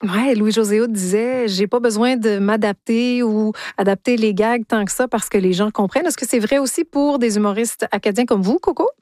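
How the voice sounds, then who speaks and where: A woman hosting a radio interview, asking questions in a clear, measured way. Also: on the high side, warm tone, no echo, studio quality. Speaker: radio host.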